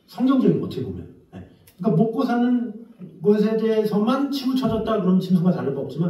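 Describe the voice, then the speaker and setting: A man preaching a Sunday afternoon sermon as pastor, talking in a lively, conversational way and acting out quoted voices. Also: high voice, muffled recording. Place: church sanctuary. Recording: echoey church hall, distant mic.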